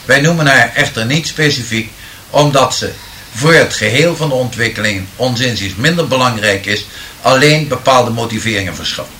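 A man speaking in a measured, deliberate way to an audience, answering their questions and then reciting improvised rhyming verse, with occasional hesitant fillers. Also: mid-range voice, sharp tone, a little hiss or hum.

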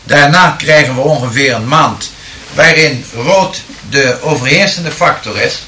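A man speaking in a measured, deliberate way to an audience, answering their questions and then reciting improvised rhyming verse, with occasional hesitant fillers. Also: a little high, pushed and bright, slight background noise.

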